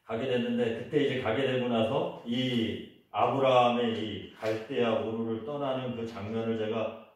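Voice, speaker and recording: A man's voice: mid-range voice, fairly even intonation, a little slow, few pauses, a little hiss or hum. A man preaching a sermon as a pastor, telling a personal story and leading the congregation in repetition. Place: church. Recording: echoey church hall, voice from a distance.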